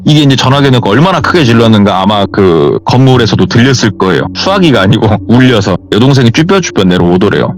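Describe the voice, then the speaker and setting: Man retelling a horror story, animated. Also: medium pitch, fast talker, hardly any pauses. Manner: relaxed retelling with reported speech. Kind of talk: storytelling on a horror radio show.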